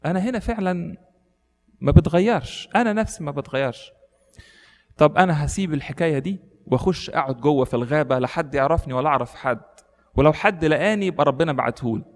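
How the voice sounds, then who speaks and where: A man's voice: fairly high pitch, animated, quick pace, big-room sound. A man with an Egyptian accent voicing a humble, resolute hermit in a spoken sermon story. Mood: reflective. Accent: Egyptian Arabic. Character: humble older male hermit, gentle and resolute.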